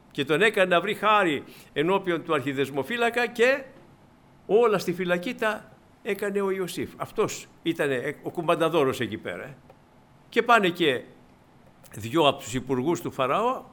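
With a high, fairly bright voice, a male preacher tells a Bible story during his sermon. He dramatizes what the characters say, shifting his voice and volume, and repeatedly refers to his audience as brothers.

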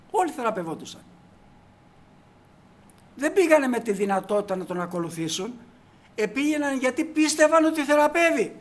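A man preaching a sermon to his congregation, emphatic, swinging from quiet asides to loud declarations. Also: very high voice. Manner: addresses the congregation as brothers.

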